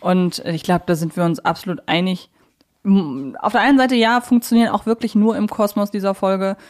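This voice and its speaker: This woman co-hosts a podcast, chatting casually about audio dramas. Her voice is medium in pitch and darkish in tone, and she speaks at a moderate pace.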